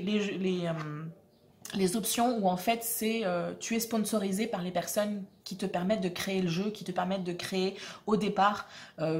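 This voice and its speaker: A woman, hosting a tarot channel and presenting a deck in a chatty, self-mocking way with many fillers. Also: on the low side. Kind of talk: casual presentation to camera.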